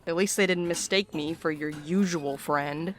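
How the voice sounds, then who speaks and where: A woman's voice: low voice, moderate pace, close to an everyday voice. A woman playing a weary, sardonic mail carrier in a naturalistic audio drama, with a dry, guarded delivery. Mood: dry, sarcastic.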